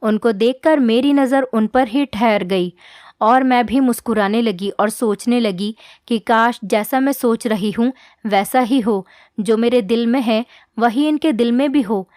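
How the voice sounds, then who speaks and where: Female narrator, earnest scripted storytelling, higher register, dry close-mic sound. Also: measured pace, a little mellow, dry recording. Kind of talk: first-person scripted storytelling.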